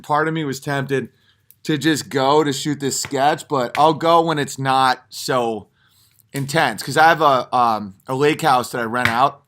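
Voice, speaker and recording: Bright-voiced man rambling through stories. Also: mid-range voice. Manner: digressive storytelling with frequent fillers and restarts; animated, jumps into mock voices for punchlines. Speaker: comedian hosting his own stream. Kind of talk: rambling off-the-cuff monologue.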